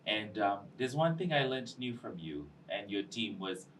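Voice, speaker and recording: A man from Fiji, hosting a casual studio interview in a chatty, expressive way and tagging remarks with "eh?". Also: on the low side, normal speed, slight background noise. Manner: chatty and expressive, with a habitual tag "eh?". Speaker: talk show host.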